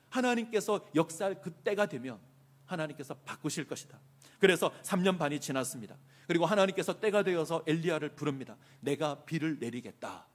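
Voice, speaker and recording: Male pastor, sermon delivery, emphatic, rhetorical questions, slightly high voice.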